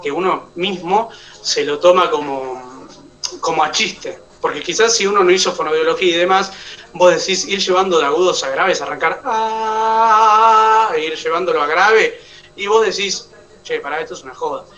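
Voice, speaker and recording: A man's voice: on the high side, moderate pace, sharp tone, recorded from a distance, rough recording. A man with an Argentine accent teaching an oratory class, explaining step by step and checking that his students follow. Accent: Argentine Spanish. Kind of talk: online class lecture.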